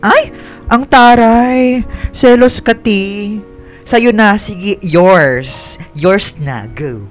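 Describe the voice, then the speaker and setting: A man's voice: high-pitched, drawn-out words. A man playing a flamboyant, teasing young gay best friend with a Filipino accent in a radio drama, sassy and theatrical. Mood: giddy, gossipy. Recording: music bed behind the voice.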